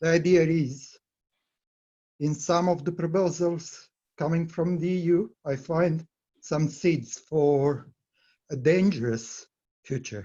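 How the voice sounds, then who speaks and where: Speaking very slowly with long, frequent pauses, a man with a Romanian accent has a dark, mellow tone and a fairly high pitch. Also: ordinary pitch variation. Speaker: theatre professional. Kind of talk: panel discussion.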